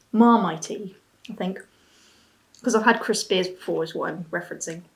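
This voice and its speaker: A woman's voice: medium pitch, slight background noise. A woman in her twenties giving a casual review to camera, musing and often restarting her thoughts. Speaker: beer and snack reviewer. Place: small plain room at home, seated at a table.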